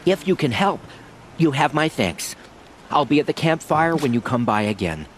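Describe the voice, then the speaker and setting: A man playing a proud but nervous, superstitious tribal hunter in a video game, expressive and self-justifying. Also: on the high side, normal speed, slight background noise. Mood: grateful. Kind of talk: video game dialogue acting.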